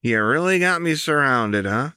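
A man's voice: medium pitch, lively intonation, normal speed, pushed and bright, clean tone, no echo, clean studio sound, pitched above the performer's own voice. A man voicing a manic, taunting young woman outlaw in an audiobook, with teasing, sing-song questions. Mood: mock-innocent glee. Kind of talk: audiobook character voice.

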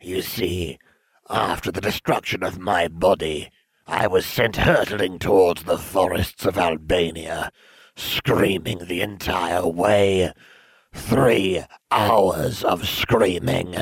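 A man voicing a disembodied, pompous and deadpan villainous dark lord in a storybook narration. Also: deep voice, takes it slowly, breathy edge, dry recording, exaggerated voice. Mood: grave, aggrieved. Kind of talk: fan fiction audio storytelling.

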